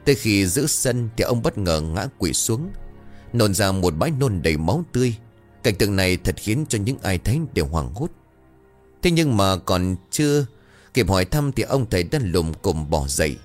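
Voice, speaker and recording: A man narrating a horror story in a dramatic, expressive storytelling manner. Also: sits low, normal speed, faint music behind.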